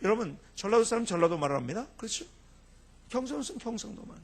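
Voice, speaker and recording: A man's voice: sits high, quick pace. A middle-aged man from Chungcheong in South Korea, a pastor telling humorous stories in a revival sermon and mimicking people as he goes. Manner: animated storytelling, mimics dialect and quotes. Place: church sanctuary.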